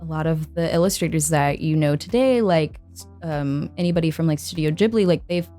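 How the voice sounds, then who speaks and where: Female podcast guest, lowish voice, conversational and halting, faint music underneath. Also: mellow. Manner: hesitant, filler-heavy, thinking aloud. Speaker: podcast guest, anime voice actor. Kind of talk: casual podcast chat.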